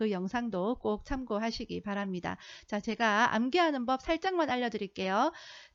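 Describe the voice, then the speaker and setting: Against a quiet background, a woman with a fairly high voice speaks with very wide pitch swings. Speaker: exam prep lecturer. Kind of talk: lecture.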